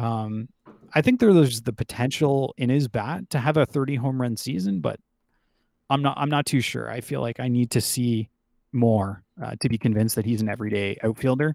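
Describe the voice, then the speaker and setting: In a dry, close sound with no echo and a very clean recording with a silent background, a man with a Canadian accent uses a normal speaking voice at medium pitch, ordinary pitch variation and a fairly quick pace. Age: 30s. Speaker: sports writer. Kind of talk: casual interview.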